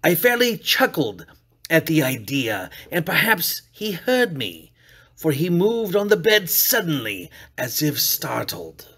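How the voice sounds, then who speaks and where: A man's voice: on the high side, wildly swooping pitch, takes it slowly, pushed and bright, breathy edge, heavily acted. A man voicing a sly, unhinged male murderer who narrates his crime with theatrical menace, sudden whispers and outbursts. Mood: menacing. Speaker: reader. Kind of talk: dramatic reading.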